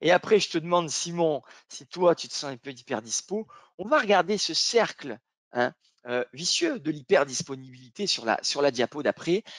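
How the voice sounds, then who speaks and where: Lively intonation with big jumps in loudness, at a moderate pace, over a quiet background in a dry, close sound with no echo. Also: man. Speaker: corporate trainer and coach. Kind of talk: webinar presentation. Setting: online webinar.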